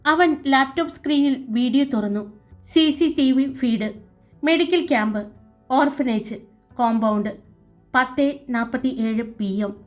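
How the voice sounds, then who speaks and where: A woman storyteller giving calm, dramatic scripted narration. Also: high-pitched, measured pace, soft background music.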